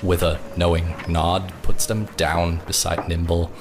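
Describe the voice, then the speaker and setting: A man's voice: sits low, little pitch movement, a little slow, music in the background. A man casually improvising descriptive third-person narration of his character as a player in a roleplay podcast.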